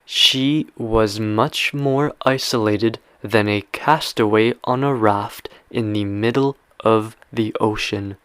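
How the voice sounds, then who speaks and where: Male language teacher, extremely slow and deliberate, smooth resonant voice, dry close sound, drills questions. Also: on the low side, fairly bright tone, dry recording. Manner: deliberate, repeats and quizzes the listener. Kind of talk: slow question-and-answer reading lesson.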